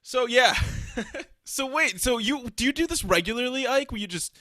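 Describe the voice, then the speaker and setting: A man's voice: very high voice, expressive, moderate pace, sharp tone, no echo, clean studio sound. A man co-hosting a casual comedy podcast, firing off crude wisecracks between laughs. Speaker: podcast co-host.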